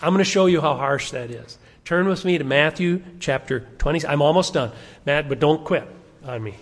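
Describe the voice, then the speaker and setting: Sixties guy preaching, chatty, asks the crowd stuff, kinda high voice, big echoey church. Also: moderate pace. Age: 60s. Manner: conversational, asks the congregation questions. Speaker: pastor. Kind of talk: sermon. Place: church sanctuary.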